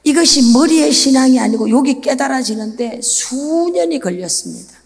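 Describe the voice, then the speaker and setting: A woman's voice: sits high, moderate pace, husky. Storytelling woman pastor in a reverberant hall. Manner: lively storytelling with acted-out prayers, swings from soft asides to shouts. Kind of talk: early-morning sermon. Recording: long church-hall reverb.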